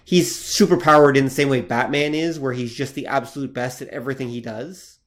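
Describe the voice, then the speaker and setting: In a casual comic-history podcast chat, a male co-host gives long, thoughtful explanations loaded with fillers. His mid-range voice keeps a fairly even intonation and moves a little fast.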